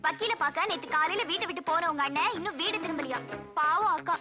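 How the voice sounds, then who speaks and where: A woman's voice: very high voice, quick pace, over music. An actress playing an anxious young woman urging the family to act. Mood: urgent. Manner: urgent, pleading. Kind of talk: film acting.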